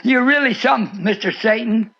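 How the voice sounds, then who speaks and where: High, fiery preacher man on shortwave. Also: normal speed, pushed and bright. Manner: fiery, sing-song preaching with sudden swoops and repeats. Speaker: radio preacher. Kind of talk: shortwave radio sermon. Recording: muffled shortwave radio broadcast.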